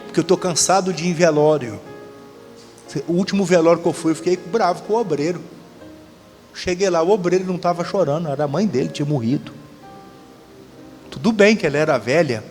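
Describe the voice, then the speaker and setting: A man's voice: a little high, fairly quick, long pauses, darkish tone. A man with a Brazilian accent, a pastor, preaching and telling stories while calling on the congregation to answer. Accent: Brazilian Portuguese. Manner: storytelling with call-and-response to the congregation. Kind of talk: Pentecostal-style sermon. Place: church hall during a service. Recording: audio of a church service with long reverb and music.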